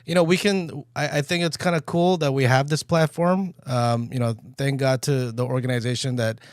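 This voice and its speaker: A man's voice: medium pitch, moderate pace, dry recording. A man hosting a casual podcast chat in a small studio, talking loosely with many fillers and restarts. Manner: relaxed, filler-heavy, self-correcting. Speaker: podcast host. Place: small studio room set up by the group. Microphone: boom-arm mic.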